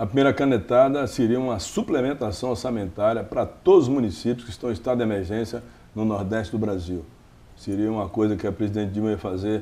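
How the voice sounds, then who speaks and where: At a fairly quick pace, a man with a fairly low pitch and a dark, mellow tone keeps a fairly even intonation. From Bahia interior, Brazil. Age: 60s. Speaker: politician. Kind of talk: interview.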